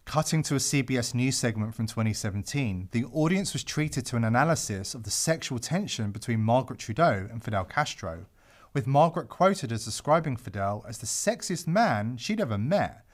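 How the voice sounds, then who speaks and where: A man's voice: mid-range voice, animated, fairly quick. A male podcast host reading scripted commentary with a dramatic delivery and sarcastic asides.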